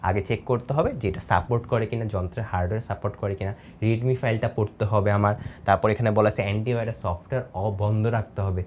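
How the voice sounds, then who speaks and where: A man's voice: on the low side, fairly even intonation, rapid-fire, a little mellow, muffled recording, slight background noise. A young man with a Bangladeshi Bengali accent teaching an exam-prep lesson over a screen demo, chatty, repeating key words and mixing in English. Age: 20s.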